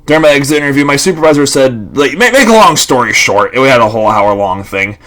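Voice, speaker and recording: A man's voice: mid-range voice, big pitch swings, fast talker, fairly bright tone. A young man in his twenties rambling casually to camera, full of fillers and restarts. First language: Lithuanian and English bilingual. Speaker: vlogger.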